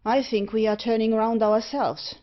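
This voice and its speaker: A woman voicing a fearful, complaining iron merchant, a man who laments in drawn-out exclamations. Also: mid-range voice, natural voice. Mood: frightened. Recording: dull, lo-fi audio.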